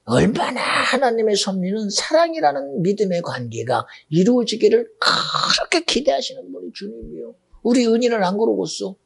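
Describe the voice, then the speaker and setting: A man preaching a sermon as pastor, swinging between loud exclamations and hushed, almost whispered asides. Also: high-pitched, gravelly, husky.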